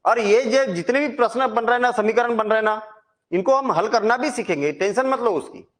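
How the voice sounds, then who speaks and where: High-voiced man teaching maths. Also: brisk, fairly bright tone. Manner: chatty, reassuring, asks and answers own questions. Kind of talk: Hindi maths lesson.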